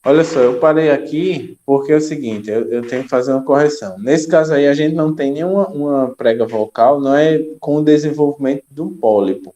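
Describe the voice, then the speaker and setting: A man's voice: medium pitch, warm tone. A young man from Brazil, a teacher trainer giving a recorded online lecture over slides, often checking in with short questions to his listeners. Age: young adult. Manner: explanatory, checks in with "ok?" and "tá?".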